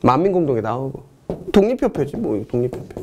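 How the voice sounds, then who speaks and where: A man's voice: medium pitch, fast, a little hiss or hum. A middle-aged man teaching a history exam-answer lecture, joking and chatting with his students between questions. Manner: jokey, excitable, chatty asides to students.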